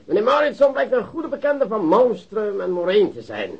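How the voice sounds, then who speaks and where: A pompous, excitable police chief in a radio play. His high, rough-edged voice swoops about as he gives orders with great self-satisfaction, on a muffled recording. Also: normal speed, heavily acted. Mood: self-important. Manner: pompous, commanding. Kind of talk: Dutch radio drama acting.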